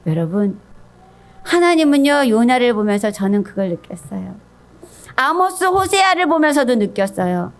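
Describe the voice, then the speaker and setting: A woman giving an animated sermon, telling the story with a voice that swings between soft and loud. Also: on the high side, moderate pace. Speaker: pastor's wife preaching.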